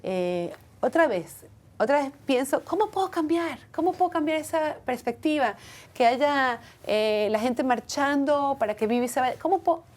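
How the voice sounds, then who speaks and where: Earnest, reflective woman with a mellow voice. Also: high-pitched, expressive, moderate pace. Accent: foreign accent when speaking Hebrew. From from outside Israel. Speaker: interview guest. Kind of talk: reflective personal interview.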